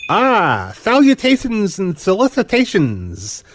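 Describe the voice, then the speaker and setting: An actor plays an obsequious gentleman jeweler from an old-fashioned radio play. He is florid and pompous, easily flustered, with a very lively, swooping pitch. The sound is close and dry. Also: slow pace, dry recording. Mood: fawning, eager. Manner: pompous, flowery, fawning.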